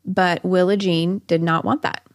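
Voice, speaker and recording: A woman's voice: on the low side, steady tone, unhurried, no room sound, clean studio sound. A woman hosting a podcast, telling a true-crime story conversationally with chatty asides. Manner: chatty asides amid narration. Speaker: podcast host.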